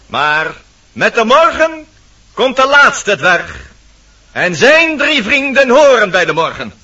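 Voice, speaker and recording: An actor playing a poetic, commanding narrator of the forest, declaiming verse in a radio drama. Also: male voice, very high-pitched, sing-song, takes it slowly, bright, forceful tone, slightly rough, full character voice. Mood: lyrical. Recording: dull, distant old radio recording.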